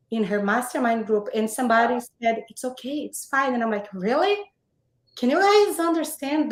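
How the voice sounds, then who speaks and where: At a moderate pace, a woman with a non-native accent speaks in a high pitch with lively intonation. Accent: foreign. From Brazil. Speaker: online course creator. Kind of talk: testimony.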